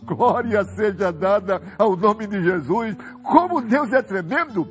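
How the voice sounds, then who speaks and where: A middle-aged man delivers a fervent, emphatic devotional sermon with dramatic pauses and repetition. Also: very high-pitched. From Brazil. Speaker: evangelist preacher. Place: TV studio set like a living room. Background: soft guitar music.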